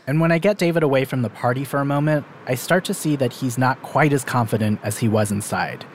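A man's voice: medium pitch, quick pace, slight background noise. A man hosting and reporting a podcast, narrating a documentary story in a conversational, lightly self-deprecating way.

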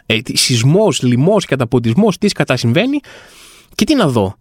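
A man's voice: mid-range voice, very animated, no room sound, clean studio sound. A man hosting a comic podcast, rambling through a wry, self-mocking monologue. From Greece. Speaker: podcast host.

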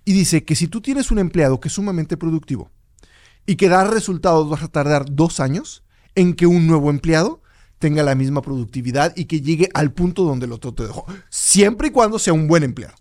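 A man's voice: on the high side, a little fast. A man with a Mexican accent, co-hosting a casual advice podcast and explaining his points through acted-out workplace scenarios. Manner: animated, acts out workplace scenarios. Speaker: podcast co-host.

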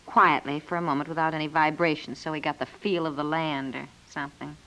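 An actress playing a skeptical, practical wife who gently needles her husband in a dry, wry way, in 1950s radio comedy style. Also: deep voice, level tone, brisk, poor audio. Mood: doubtful, polite. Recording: 1950s network radio recording.

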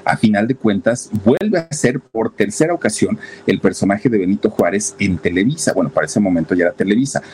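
Man, fairly low voice, animated storyteller, faint background hum. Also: brisk, hardly any pauses. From Mexico. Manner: animated, talks straight to listeners. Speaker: storyteller host. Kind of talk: casual anecdotal storytelling.

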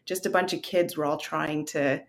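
A woman's voice: sits low, fairly even intonation, normal speed, a little hiss or hum. A woman from Canada in her thirties, a guest on an interview, telling her career story in a casual, open way with fillers. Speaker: guest, real estate investor.

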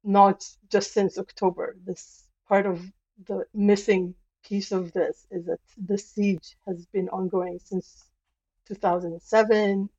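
A woman from Israel, a history professor, answering interview questions in a measured, deliberate and emotionally weighty way. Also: medium pitch, warm tone, no room sound, highs cut off. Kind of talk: earnest radio interview answer.

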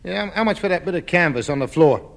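A wily junk dealer. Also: male voice, high-pitched, expressive, fast talker, vocal fry, heavy background noise. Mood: haggling. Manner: wheedling, street-trader patter. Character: wily, haggling rag-and-bone man. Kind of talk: 1950s radio sitcom acting.

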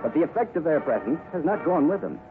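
A man announcing and narrating a radio drama with a measured, dramatic delivery. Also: on the high side, very animated. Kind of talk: scripted narration. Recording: narrow 1950s radio broadcast with music.

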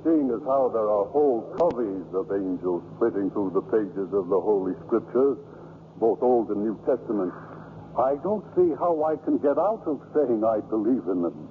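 An actor playing a folksy, kindly and gently wry Catholic priest in a 1950s radio play. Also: male voice, lowish voice, lively intonation, moderate pace, natural voice. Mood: wry, gentle. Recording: muffled, hissy 1950s radio broadcast.

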